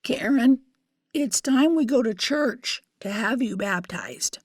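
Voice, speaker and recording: A storyteller plays a stern old lady from a fairytale. Her voice is high and swooping, and she speaks slowly, in a prim and commanding way, as a woman acts her out. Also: animated, slightly rough, no echo, studio quality, full character voice. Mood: instructing.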